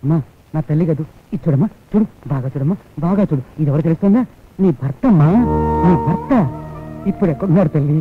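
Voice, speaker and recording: An actor playing a tender older man who gently coaxes and pleads in a film scene. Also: on the high side, lively intonation, quick pace, lightly acted. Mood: coaxing. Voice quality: tender, coaxing. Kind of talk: Telugu film dialogue. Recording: tinny lo-fi film soundtrack, music.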